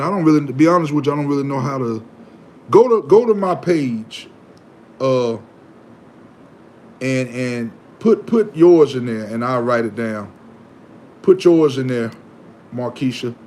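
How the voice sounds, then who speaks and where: A man hosting a live stream, chatting casually and preaching, animated and given to repeating himself. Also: medium pitch, a little hiss or hum. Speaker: livestream host.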